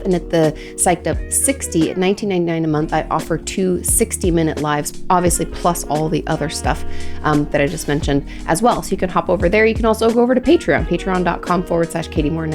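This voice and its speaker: A woman with a stuffy, nasal head cold, hosting a solo podcast as a therapist answering listener questions in a chatty way with fillers and restarts. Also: fairly low pitch. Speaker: podcast host, licensed therapist.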